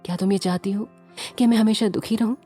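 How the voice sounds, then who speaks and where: A calm, protective young man who reassures softly, as a woman narrator voices him. The voice stays close to the storyteller's own. Light music plays underneath. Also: mid-range voice, quick pace, lightly acted. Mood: gentle. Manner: calm and gentle, at times stern.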